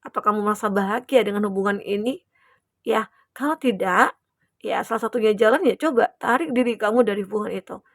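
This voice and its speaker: A woman's voice: medium pitch, fairly quick, no room sound, studio quality. A young adult woman giving a chatty, reassuring collective tarot reading to her viewers, with many fillers. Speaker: tarot reader.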